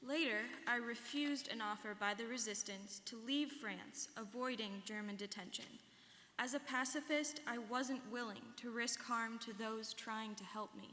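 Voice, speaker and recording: A young woman performing a scripted first-person reading as a sincere alumna remembering hardship, with deliberate, projected delivery. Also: a little high, bright, forceful tone. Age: young adult. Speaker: student performer in a dramatic reading. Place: large hall. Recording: reverberant hall.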